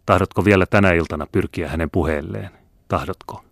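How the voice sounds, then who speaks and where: A man reading the part of a scheming male Jesuit priest in a low, murmuring voice. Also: gravelly, a bit bright, dry recording, clean studio sound, full character voice. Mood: solemn.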